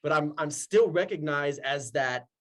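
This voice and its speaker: A man in his forties chats as an interview guest, his voice sitting fairly high for a man. He talks with eager excitement and laughs easily. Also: a little slow. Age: 40s. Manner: excitable and animated, laughs often. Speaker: actor guest. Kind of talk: casual interview chat.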